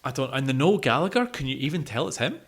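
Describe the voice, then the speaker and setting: A man's voice: medium pitch, very animated, fast. A man co-hosting a music podcast, talking casually and emphatically with plenty of swearing and repeating himself for stress. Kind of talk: casual opinionated music discussion.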